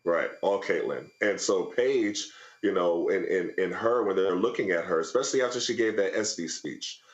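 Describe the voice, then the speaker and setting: A man's voice: sits low, normal speed, roomy sound, lo-fi sound. A man as a panel guest on a commentary show, easygoing and agreeable, laughing along with the host. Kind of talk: conversational commentary.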